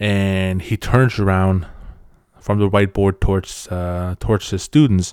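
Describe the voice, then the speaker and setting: In a very clean recording with a silent background, a man with a Canadian accent speaks in a fairly low voice at a moderate pace. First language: Cree. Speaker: podcast host, performance coach. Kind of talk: personal storytelling monologue. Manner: hesitant with frequent fillers and repetitions.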